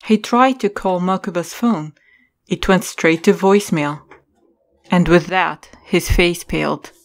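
A woman's voice: lowish voice, a little slow. A woman narrator reading scripted story narration for an audio drama.

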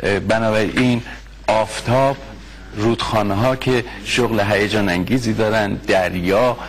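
A man's voice: fairly low pitch, fairly even intonation. A man presenting an earnest, poetic radio segment.

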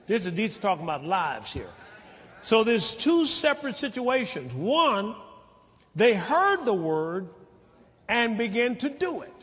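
An older male pastor with an unusually high, bright and forceful voice preaches in a slow, deliberate cadence. He rises to shouted passages and calls his congregation to say amen. The sound rings with the long reverb of a large church sanctuary. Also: very animated. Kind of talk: sermon.

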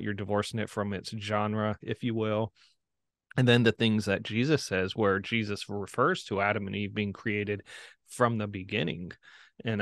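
A man's voice: on the low side, a bit bright, no echo. A middle-aged man hosting an interview from a home room, chatty, prone to corny jokes and filler phrases. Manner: chatty, tells corny jokes, repeats "if you will". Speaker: host. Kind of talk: casual interview chat. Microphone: video call with a desk mic.

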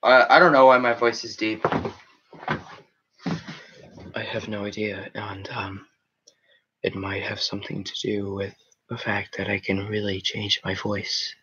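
Teenage boy, low bright voice, rambling live chat, headset mic, dull lo-fi sound. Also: level tone, normal speed, a little hiss or hum. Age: teens. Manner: rambling, chatty, reacting to comments. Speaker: livestream host reading chat. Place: small room with green backdrop.

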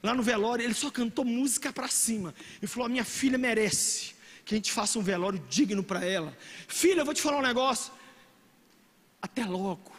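A middle-aged man with a Brazilian accent, preaching a dramatic, emotional sermon to a youth congregation, swinging from soft asides to shouting. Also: extremely high pitch, brisk. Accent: Brazilian Portuguese. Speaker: pastor. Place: large church hall with a youth congregation. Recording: long hall reverb with music behind.

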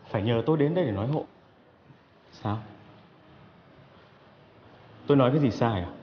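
An actor with a Northern Vietnamese accent playing a cool, needling, businesslike go-between in a TV drama. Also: male voice, medium pitch, lightly acted. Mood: cold, pressuring. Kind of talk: screen drama dialogue. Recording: long reverb, dull sound, faint noise.

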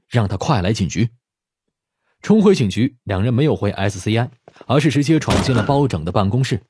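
A man's voice: medium pitch, darkish tone, breathy edge, no echo, studio quality. A man narrating a scripted audiobook story as its narrator.

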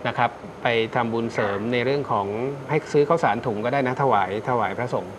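A man's voice: mid-range voice, fairly quick, noisy background. A man hosting a live call-in astrology show, reassuring callers and repeating his key points. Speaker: astrologer host. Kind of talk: live call-in fortune reading.

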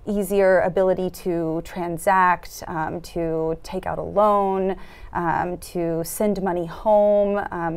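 A woman in her thirties giving earnest interview answers in a studio, often pausing with fillers and restarting her sentences. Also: fairly low pitch, a little mellow. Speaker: foundation program officer, interviewee. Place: dark studio set at a conference.

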